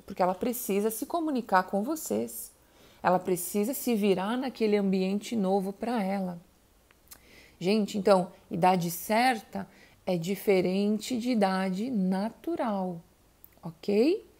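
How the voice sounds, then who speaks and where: A woman's voice: mid-range voice, takes it slowly, warm tone. A middle-aged woman teaching parents about children's speech, explaining patiently, calling out to her listeners and sounding out baby syllables. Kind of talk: educational talk to parents.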